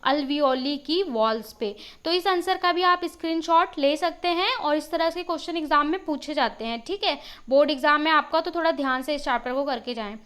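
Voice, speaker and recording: A woman teacher with a sore throat reads English worksheet lines slowly, then explains them step by step, often asking students questions. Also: high voice, a bit bright. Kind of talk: worksheet lesson for school students.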